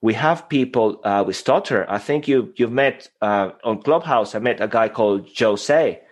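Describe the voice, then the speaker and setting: A man's voice: on the low side, normal speed. A man with a Venezuelan Spanish accent, a native Spanish speaker, talking with energy and passion as a guest in an interview. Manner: passionate, animated, breaks into loud playful voices. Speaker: guest, voice coach.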